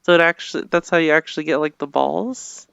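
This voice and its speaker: A man's voice: on the high side, brisk, vocal fry, fairly bright tone, smooth, no room sound, dull audio. A man streaming live, chatting casually with friends in a laid-back way and swearing freely. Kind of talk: casual chat.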